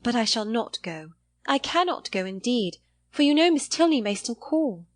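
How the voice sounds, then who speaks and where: A woman's voice: on the high side, big pitch swings, normal speed, dry recording, voice pushed up. A woman voicing an anxious, earnest young lady of seventeen in an audiobook of a period novel, with plaintive, polite speech. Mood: agitated, resolute. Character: anxious, earnest seventeen-year-old young lady, hopeful then despondent.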